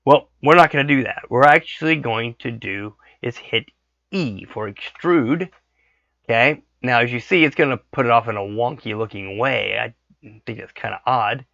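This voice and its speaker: Brief: hoarse man, bright gravelly voice, relaxed tutorial talk, dry dull desk-mic sound. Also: mid-range voice, measured pace, dry recording. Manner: thinks aloud, frequent "okay" checks. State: hoarse from a cold. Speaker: 3D modeling tutorial host. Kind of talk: casual screen-recorded tutorial.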